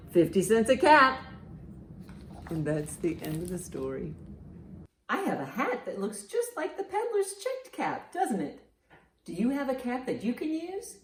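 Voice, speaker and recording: Leading a children's storytime read-aloud, a woman librarian speaks expressively and poses simple questions to the kids. Her voice is lowish and a little mellow, with a bit of hiss or hum in the recording.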